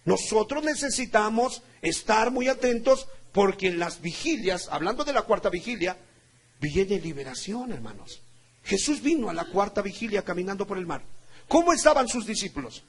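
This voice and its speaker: A husky, high-pitched male pastor with a Mexican Spanish accent delivers an impassioned sermon. He climbs to loud, emphatic peaks and then sinks to hushed, low asides.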